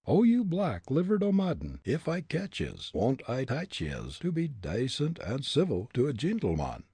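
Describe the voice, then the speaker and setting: A man voicing a boastful, quick-tempered, superstitious Irish tramp with an Irish accent, full of indignant exclamations in a storybook reading. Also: on the high side, wildly swooping pitch, warm tone, slightly rough, no echo, voice pushed up, exaggerated voice. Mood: angry, blustering.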